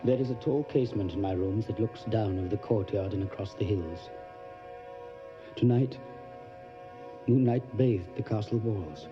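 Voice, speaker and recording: An actor playing an anxious English solicitor, a frightened guest, speaking in an earnest, halting, fretful manner in an audio drama. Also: male voice, fairly low pitch, close to an everyday voice. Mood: haunted, fearful. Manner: halting, fretful, earnest, breaking phrases with dread. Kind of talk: audio drama acting with diary narration. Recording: dull lo-fi audio with loud music.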